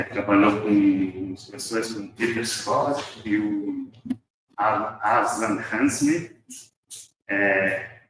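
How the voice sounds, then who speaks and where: A man's voice: lowish voice, pushed and bright. A man with a Brazilian accent, a native Portuguese speaker, informally introducing a speaker as seminar host. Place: university seminar room, indoors. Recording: distant mic in very echoey room.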